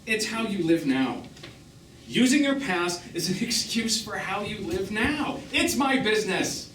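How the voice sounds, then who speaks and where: A man's voice: high-pitched, very animated, unhurried, a bit bright, distant mic, heavily acted. An actor playing a bitter, witty middle-aged gay man on stage, with a theatrical, sardonic, wordy manner. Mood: scornful, bitter. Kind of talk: one-act stage play acting. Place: small theatre, live performance. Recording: roomy, noisy theatre recording from afar.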